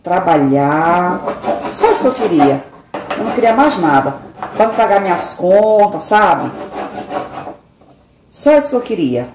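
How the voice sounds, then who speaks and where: A woman's voice: on the low side, very animated, measured pace, pauses often, background noise. Chatty woman vlogging in an echoey kitchen. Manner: chatty, confiding, dramatic sighs. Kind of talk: casual chat. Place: home kitchen.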